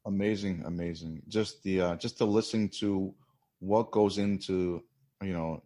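A man's voice: deep voice, darkish tone. A man co-hosting a podcast, speaking in an earnest, reflective way. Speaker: podcast co-host. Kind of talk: casual podcast chat.

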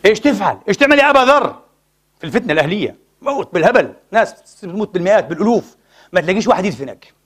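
A man's voice: high-pitched, sing-song, racing, a bit bright, husky. A Palestinian man preaching a Friday sermon in a mosque, impassioned and mixing colloquial speech with formal phrasing.

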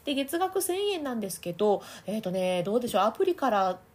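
A woman hosts a casual voice-training podcast. Her voice is breathy and a touch husky, with a lively, swinging pitch. She chats freely, laughs often and slips into demonstration voices. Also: fast. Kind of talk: casual audio podcast talk.

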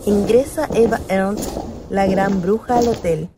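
A woman narrating the scenes of a radio play in a calm, descriptive way. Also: medium pitch, a little slow, noisy background.

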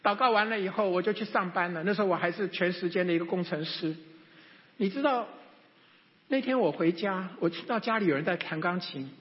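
Brief: middle-aged male preacher, high voice, fervent storytelling, muffled hall reverb. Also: fairly quick. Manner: storytelling, rising to fervent prayer. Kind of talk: sermon testimony. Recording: dull echoey hall.

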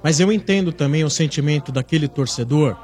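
A man, a regular panelist on a football talk show, arguing in an animated, emphatic way. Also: on the high side, brisk, soft background music. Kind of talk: casual sports debate.

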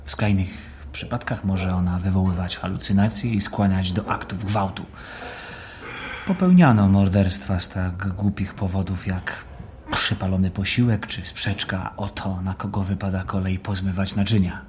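A man's voice: low voice, normal speed, darkish tone, a little hiss or hum, close to an everyday voice. An actor playing an educated, self-assured male job applicant, speaking precisely and with control in an audio drama. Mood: pointed, controlled. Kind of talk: audiobook radio play acting.

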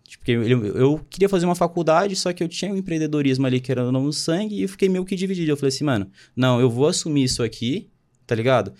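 A man's voice: a little high, rapid-fire, darkish tone. A young man in his twenties, casually telling his life story in a slangy way, often quoting what others said. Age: 20s. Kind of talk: casual chat.

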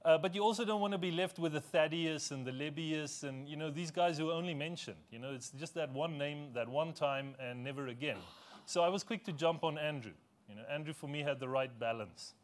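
A man with a slightly high voice, a native Afrikaans speaker, preaches to his congregation. He talks in a loose, conversational way, joking at his own expense and asking the people in the pews questions. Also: fairly quick. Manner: conversational, self-deprecating humor, asks congregation questions. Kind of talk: sermon. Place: church.

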